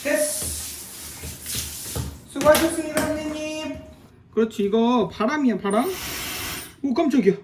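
Man, high-pitched, coaxing playful baby talk, casual home vlog, echoey room. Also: expressive, normal speed, long pauses. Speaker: vlogger, kitten owner. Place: home indoors. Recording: echoey room with faint noise.

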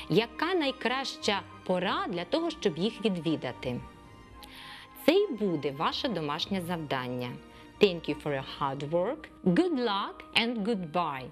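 A woman gives a children's English lesson on TV. She speaks slowly and clearly, with a lively voice that rises and falls. Soft music plays behind her. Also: mid-range voice. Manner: slow, clear lesson delivery, mixing English and Ukrainian. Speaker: English teacher.

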